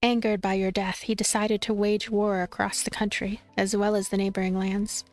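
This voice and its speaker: A woman reading a visual novel aloud as a let's play streamer, expressive and playful, with commentary. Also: medium pitch, moderate pace. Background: game music.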